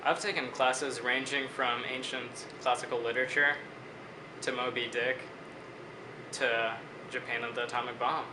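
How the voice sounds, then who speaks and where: A man's voice: mid-range voice, little pitch movement, noisy background. Articulate young man in an echoey room. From Bangladesh. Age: 20s. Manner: measured, articulate, reflective. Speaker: student interviewee. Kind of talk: interview answers.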